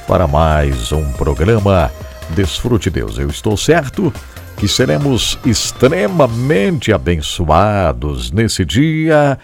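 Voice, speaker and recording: Low, gravelly Brazilian man hosting live. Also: darkish tone, dry recording. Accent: Brazilian Portuguese. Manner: upbeat, tags questions with "né?". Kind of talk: live devotional broadcast talk. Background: guitar music.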